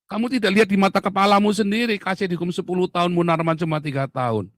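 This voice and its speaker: Male commentator, fairly high voice, dry close sound, furious shouting rant. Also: fairly even intonation, quick pace, no echo. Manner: shouting, insulting, emphatic repetition. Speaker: online commentator. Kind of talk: angry political rant.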